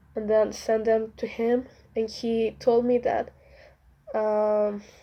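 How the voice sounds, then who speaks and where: Speaking very slowly, a woman with a non-native accent uses a fairly high pitch and monotone, flat intonation. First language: not English. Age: 20s. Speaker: fitness client giving testimonial. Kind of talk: testimony. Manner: halting, many fillers.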